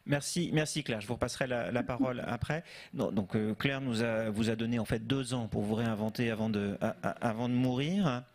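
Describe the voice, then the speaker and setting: A man's voice: mid-range voice, fairly quick. A man moderating a panel, polite and questioning, with small stumbles. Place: auditorium stage.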